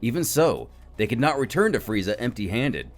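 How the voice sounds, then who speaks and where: A man telling an animated adventure story in scripted, dramatic narration. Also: medium pitch, fairly quick, faint music behind.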